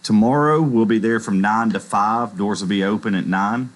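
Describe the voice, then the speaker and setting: A man's voice: lowish voice, normal speed. A man from Middle Tennessee, a bank executive promoting a community expo on local radio in an affable way with many fillers. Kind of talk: radio interview.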